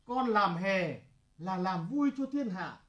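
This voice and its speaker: A woman's voice: mid-range voice, animated, highs cut off. A woman playing a patient master who questions and chides his clown servant in a traditional folk opera comedy. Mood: chiding. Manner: chiding, questioning, drawn-out. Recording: echoey stage recording.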